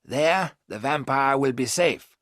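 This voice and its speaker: A man reading aloud, voicing a wise older professor who explains his plans in a measured, firm way. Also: mid-range voice, lively intonation, a bit bright, dry recording, studio quality, pitched above the performer's own voice.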